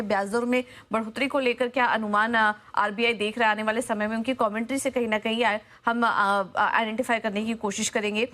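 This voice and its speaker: A woman's voice: fairly high pitch, a bit bright. A young adult woman giving a live business news report, with frequent filler sounds and restarts.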